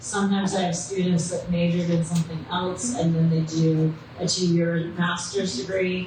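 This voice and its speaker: Against noticeable background noise and audible room echo, a woman with a fairly low pitch talks at a moderate pace with hardly any pauses, fairly even intonation and very even loudness. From Canada. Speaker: law professor. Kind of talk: Q&A talk to students. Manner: casual, many fillers and restarts.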